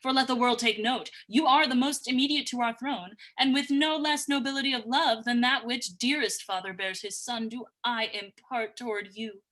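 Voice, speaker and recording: Woman playing a bright-voiced, stately, reproving king. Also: a little high, fairly even intonation, normal speed, hardly any pauses, lightly acted. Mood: grand, persuasive. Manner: formal, stately verse delivery. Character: smooth-tongued, reproving middle-aged king and stepfather. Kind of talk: livestreamed Shakespeare dramatic reading. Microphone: remote livestream from own location.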